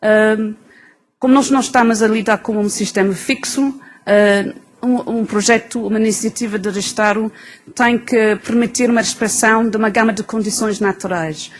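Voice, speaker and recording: A woman's voice: on the high side, fairly even intonation, moderate pace. A woman from England giving an academic talk with an English accent in her non-native Portuguese, hesitating as she searches for words. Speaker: researcher giving a lecture.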